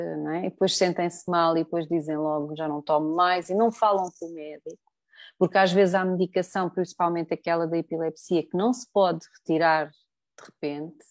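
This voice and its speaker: Against a quiet background, a woman with an unremarkable speaking voice, fairly low-pitched for a woman, talks at a moderate pace with fairly even intonation and big swings in loudness. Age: 50s. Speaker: patient association representative. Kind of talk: casual chat.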